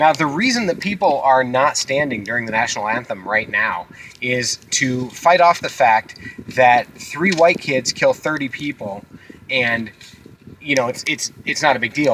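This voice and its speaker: Against noticeable background noise, a man speaks in an animated tone at a medium pitch with ordinary pitch variation. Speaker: vlogger. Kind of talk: rant. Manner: fast.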